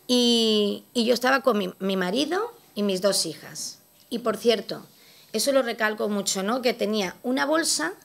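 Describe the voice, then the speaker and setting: Middle-aged woman from Spain, slightly high pitch, emphatic testimony with lots of repetition. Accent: Spanish from Spain. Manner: repeats words for emphasis, vivid storytelling. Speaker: event speaker giving a testimony. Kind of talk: personal testimony to an audience.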